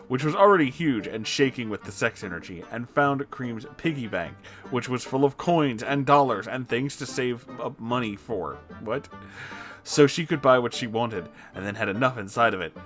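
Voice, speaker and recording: A man with a bright, forceful voice reads a story aloud in a comedic, dramatic style. He often breaks off to react in disbelief. Music plays behind him. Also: mid-range voice. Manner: breaks into laughter, exclaims in disbelief. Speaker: host reading fan fiction aloud. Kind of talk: comedic dramatic reading with incredulous asides.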